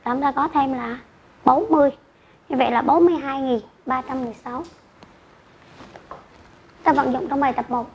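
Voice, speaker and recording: A high-pitched woman teacher leads an online math lesson for children. She speaks slowly and carefully, reading numbers out digit by digit. The recording is dull and lo-fi, with a faint hiss behind her. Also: fairly even intonation.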